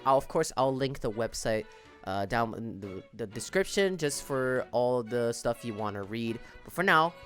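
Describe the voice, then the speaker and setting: A man's voice: medium pitch, a bit bright. A young man with a sick throat gives casual, slangy gaming reaction commentary in a laid-back way. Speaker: reaction video host.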